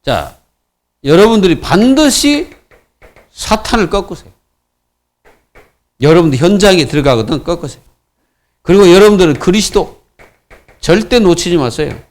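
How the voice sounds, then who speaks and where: A middle-aged man preaching from the pulpit, his voice sitting a little high for a man and leaping up and down in pitch. He talks in an animated, questioning way, keeping his congregation engaged as he builds each point. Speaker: pastor. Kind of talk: sermon.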